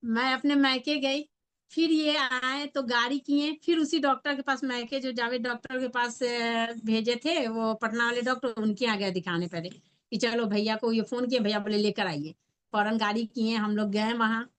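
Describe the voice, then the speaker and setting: A woman's voice: fairly high pitch, fairly even intonation, moderate pace, a bit bright. A middle-aged woman tells her personal story in a conversational way, acting out the voices of people she quotes. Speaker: guest sharing her story. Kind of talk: personal testimony.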